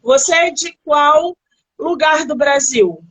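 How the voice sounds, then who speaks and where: A woman's voice: high-pitched, slow pace, fairly bright tone. A woman from Rio with a Carioca accent, hosting a casual livestream interview with an author, chatty and full of exclamations. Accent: Carioca Brazilian Portuguese. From Rio de Janeiro, Brazil. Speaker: interview host of a literary livestream. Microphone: phone livestream.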